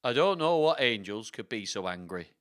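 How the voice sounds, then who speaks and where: Storybook schemer and lovelorn killer, performed by a male reader: bright, theatrical, imploring, big pitch swings. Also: sing-song, unhurried, exaggerated voice. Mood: smooth, wounded. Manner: pleading, overwrought, theatrical. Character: melodramatic scheming murderous male suitor narrating his tale. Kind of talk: theatrical storybook read-aloud.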